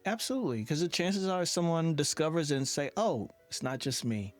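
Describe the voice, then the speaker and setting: A man's voice: on the high side, animated, normal speed, no room sound, soft background music. A man hosting a podcast interview in a conversational, affirming and reflective way.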